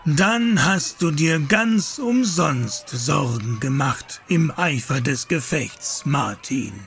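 An actor playing a calm, protective medieval priest in a radio play, speaking in a measured, gently admonishing way. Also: male voice, a little high, a little hiss or hum, exaggerated voice. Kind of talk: German radio play dialogue.

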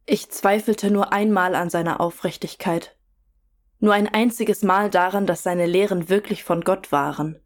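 A woman's voice: mid-range voice, fairly even intonation, moderate pace, lightly acted. A woman playing a devout follower in a German audio drama, giving earnest, reverent testimony about her youth. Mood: awed, remembering. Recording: music under the voice.

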